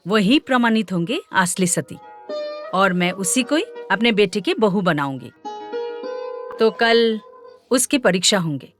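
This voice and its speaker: A woman's voice: mid-range voice, close to an everyday voice. An actress dubbing a stern middle-aged queen mother choosing her son's bride. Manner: commanding, deliberate. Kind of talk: dubbed film acting.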